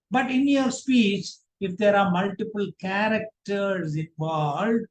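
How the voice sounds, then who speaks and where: A man teaching a public speaking workshop, speaking deliberately in short, emphatic phrases. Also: high-pitched. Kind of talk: instructional workshop presentation. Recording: roomy, echoing sound.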